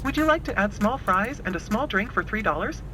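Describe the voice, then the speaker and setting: A man's voice: high-pitched, animated, brisk. An AI ordering system with a male voice, taking a food order politely through a drive-thru speaker box outdoors. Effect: heard through a drive-thru speaker box. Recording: distant outdoor speaker over car noise. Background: car engine and street traffic.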